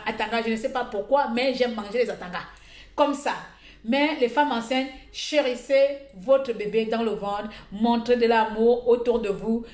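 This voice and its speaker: Woman, high voice, blunt and joking, casual vlog monologue, echoey room. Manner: blunt, humorous, animated storytelling. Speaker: lifestyle vlogger giving advice.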